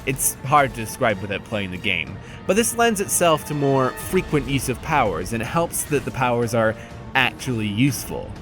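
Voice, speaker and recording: A man's voice: mid-range voice, sing-song, normal speed, music in the background. A man narrating a scripted video game review in a conversational, candid and wry manner.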